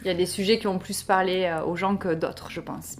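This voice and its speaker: A woman guest on a podcast in casual chat, tactful and a bit hesitant, with many small pauses. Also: lowish voice, fairly even intonation, slight background noise.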